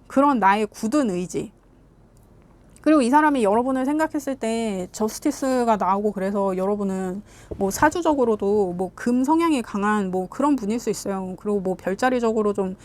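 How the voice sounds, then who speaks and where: A woman giving a casual tarot reading, chatty and emphatic, often speaking straight to her viewers. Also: a little high. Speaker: tarot reader.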